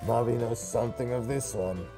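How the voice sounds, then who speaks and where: A man's voice: medium pitch, moderate pace, over music, lightly acted. A man voicing simple tribal fantasy game creatures who speak of themselves in stilted third person. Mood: dutiful.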